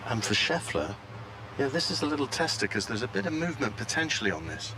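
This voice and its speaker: A man's voice: medium pitch, very animated, fast. A man giving live golf commentary, describing play as it unfolds in short, descriptive phrases. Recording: faint background noise and hum.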